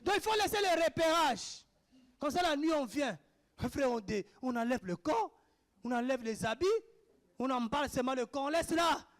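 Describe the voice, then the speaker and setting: A male preacher from Africa. He delivers an impassioned sermon, swinging between shouted declarations and hushed asides. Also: very high voice, lively intonation, moderate pace. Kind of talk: sermon answering questions.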